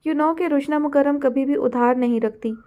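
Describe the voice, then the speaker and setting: A woman voicing a feisty, quarrelsome teenage girl in a storybook reading, with bickering, quick retorts. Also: high voice, darkish tone, lightly acted.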